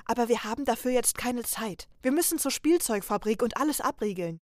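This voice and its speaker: A woman voicing a serious male elf trainer who speaks in an earnest, steady way, in a read-aloud story. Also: fairly high pitch, brisk, no room sound, clean studio sound, lightly acted. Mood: remorseful, urgent. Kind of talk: storybook reading.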